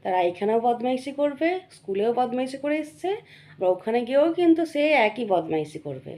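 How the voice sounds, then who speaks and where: A young woman with a cold-roughened, hoarse voice, earnestly lecturing her viewers in a casual monologue and often checking in with them. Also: on the high side, expressive, brisk, warm tone. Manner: earnest, preachy, keeps checking in with the listener. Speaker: vlogger.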